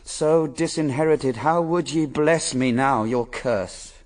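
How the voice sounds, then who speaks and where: An actor playing an anguished, self-accusing Adam in a classical verse radio drama, solemn, theatrical and brooding. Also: male voice, medium pitch, slow pace, a little mellow, recorded from a distance, lightly acted. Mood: mounting despair. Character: anguished fallen Adam, first man, despairing and self-accusing.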